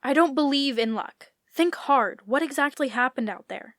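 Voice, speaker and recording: A sensible young sidekick acted by a woman in an audio comedy. She is sceptical and matter-of-fact, speaking in a very high voice. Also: moderate pace, a bit bright. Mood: focused. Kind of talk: audio fiction comedy acting.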